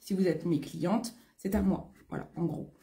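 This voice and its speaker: A woman's voice: fairly low pitch, steady tone, moderate pace, warm tone. A French woman hosting a casual live stream as a beauty consultant, chatty and greeting viewers by name, with a throat congested from a coming cold. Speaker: beauty consultant selling online.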